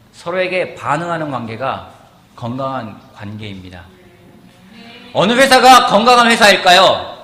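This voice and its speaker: A man preaching a sermon in a church, asking the congregation questions and acting out quotes in a lively way. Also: a little high. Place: church sanctuary. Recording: echoey church hall with faint ambience.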